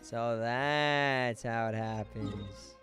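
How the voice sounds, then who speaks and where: A man's voice: medium pitch, extremely slow, fairly bright tone. A man giving casual, slangy reaction commentary as a game streamer, in short muttered asides. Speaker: streamer, voice actor. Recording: game music playing behind.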